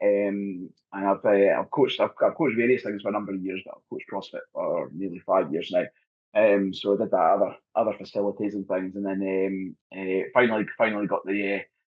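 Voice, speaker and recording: A man speaks at a fairly quick pace. He has a slight Scottish accent. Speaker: gym owner and coach. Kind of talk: interview. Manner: halting, many fillers and repeats.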